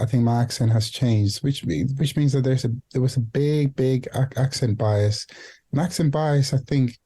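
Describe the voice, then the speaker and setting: Mellow-voiced man, reflective and halting. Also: mid-range voice. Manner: hesitant, repeats and rephrases phrases, often adds "you know". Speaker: guest, founder and CEO of a non-profit organization. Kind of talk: reflective podcast interview talk.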